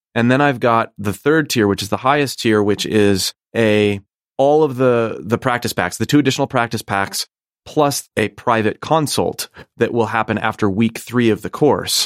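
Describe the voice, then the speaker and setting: With a plain, everyday voice, a man talks at a moderate pace and ordinary pitch variation in a dry, close sound with no echo. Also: medium pitch for a man, very clean recording, silent background. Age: 30s. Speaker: singing teacher, online course creator. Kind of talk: interview.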